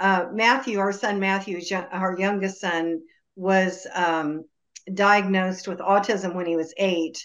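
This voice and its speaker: A woman talks at a fairly slow pace. Her pitch is medium and her intonation fairly even. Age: 60s. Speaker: panelist sharing testimony. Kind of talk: testimony. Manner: halting.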